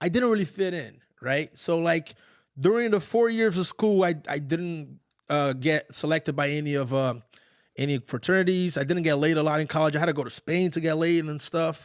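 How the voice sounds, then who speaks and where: A man with a Portuguese accent, fairly high in pitch, animated in tone, at a fairly quick pace with ordinary pitch variation, on a very clean recording with a silent background. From Brazil. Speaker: author. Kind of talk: interview. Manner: casual, animated.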